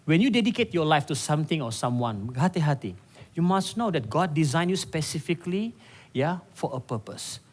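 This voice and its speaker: Lively male preacher. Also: fairly high pitch, moderate pace. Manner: animated, conversational preaching with asides to the congregation. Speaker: pastor. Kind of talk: sermon mixing Malay and English.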